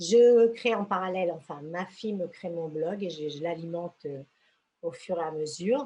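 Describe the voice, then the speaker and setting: A woman speaks at a fairly slow pace. Her fairly low voice carries a dark, mellow tone. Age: 60s. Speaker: model and blogger. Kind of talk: interview. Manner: halting.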